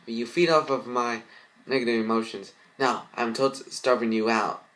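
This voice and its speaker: A man's voice: mid-range voice, flat delivery, normal speed, fairly bright tone, natural voice, low-quality recording. A man playing a kind, forgiving young woman in a storybook reading, earnest and plain. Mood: firm.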